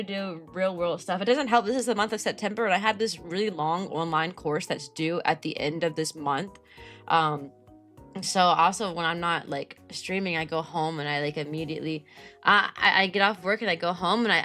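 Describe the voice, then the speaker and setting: A young woman streaming and chatting casually with her viewers, her voice raspy and tired from teaching, greeting viewers by name in quick bursts. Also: fairly low pitch, bright, forceful tone. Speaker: VTuber streamer.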